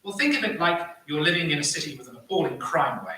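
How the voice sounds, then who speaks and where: A man speaking as a panelist, arguing a point in halting phrases with repeated words. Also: a little high, animated, bright, forceful tone. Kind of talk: impassioned debate argument. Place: live panel event in an echoey room. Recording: very echoey room, distant microphone.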